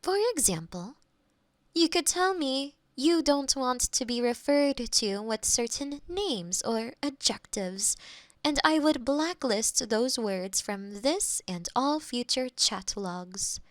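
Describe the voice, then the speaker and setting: A woman's voice: a little high, animated, no echo. A woman playing a polite, literal AI girlfriend in a scripted roleplay, speaking formally and helpfully, close on a binaural microphone. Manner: formal, measured, robotically helpful. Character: polite female AI girlfriend companion, literal, eager to please. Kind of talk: scripted roleplay audio, ASMR.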